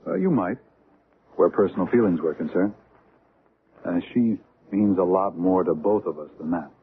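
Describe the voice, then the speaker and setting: Wry skeptical guy, lowish voice, understated, old radio drama, tinny. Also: lively intonation, normal speed, a little hiss or hum. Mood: wry, challenging. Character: wry, skeptical man warning his romantic rival. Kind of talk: 1970s radio drama acting.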